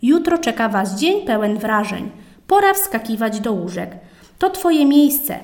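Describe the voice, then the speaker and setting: A kind, gently firm mother sending girls to bed, as a woman puts her on in a storybook reading. Her voice is lifted a little above the reader's usual, soft and motherly. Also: on the high side, very animated, a little slow.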